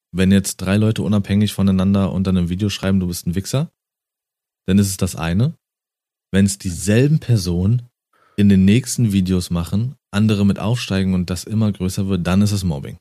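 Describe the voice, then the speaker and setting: A man's voice: sits low, warm tone, no echo, studio quality. A man chatting casually on a podcast, blunt and fond of swearing, often laughing. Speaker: podcast co-host.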